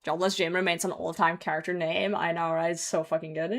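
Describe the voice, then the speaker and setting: A young woman who is hungover, casually chatting with her live stream and commenting on gameplay, with some swearing. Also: fairly low pitch. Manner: sweary, reacting to chat and game. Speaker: game streamer.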